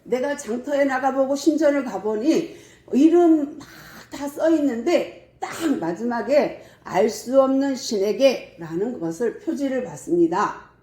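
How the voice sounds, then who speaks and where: A woman's voice: high-pitched, lively intonation, measured pace, dark tone, reverberant, voice pushed up. A woman voicing a fervent male apostle who boldly proclaims his message to a crowd. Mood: proclaiming. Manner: bold proclaiming preacher.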